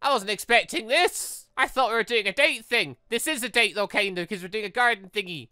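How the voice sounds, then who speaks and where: An excitable let's player rambling and exclaiming while commenting on a game and reading its dialogue aloud. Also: medium pitch, a little fast, no room sound, clean studio sound.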